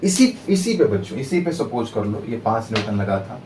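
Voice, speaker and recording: A man teaches physics to exam students in a lively, theatrical way, acting out friction as if it were begging and often asking the class whether they follow. He sounds a bit distant from the mic, with a roomy echo and a faint hum behind him. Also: lowish voice, moderate pace. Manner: dramatic, personifies friction pleading; asks students rhetorical checks. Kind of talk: exam-prep lecture.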